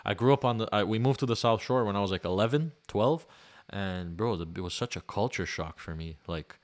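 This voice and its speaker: A man's voice: fairly low pitch, expressive, brisk. A young man, rambling casually as a podcast co-host, full of slang, fillers and swearing. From Montreal, Canada. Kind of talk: casual chat.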